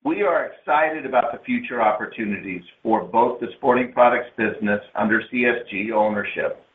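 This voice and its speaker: A man's voice: medium pitch, moderate pace. Man on a tinny, echoey phone line. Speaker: company executive on an investor earnings call. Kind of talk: scripted corporate presentation, read aloud. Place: conference call line. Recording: narrow phone-line sound, roomy echo.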